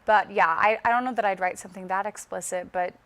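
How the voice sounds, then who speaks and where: A young woman singer being interviewed, speaking slowly and carefully enunciating each word in a relaxed, chatty way. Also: medium pitch. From Las Vegas. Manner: slow, carefully enunciated speech. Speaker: singer guest. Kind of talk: casual interview chat.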